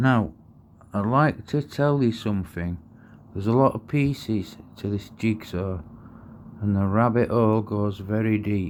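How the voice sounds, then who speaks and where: At a fairly slow pace and with long, frequent pauses, a man speaks at a fairly low pitch with ordinary pitch variation. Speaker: conspiracy commentator. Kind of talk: monologue to camera.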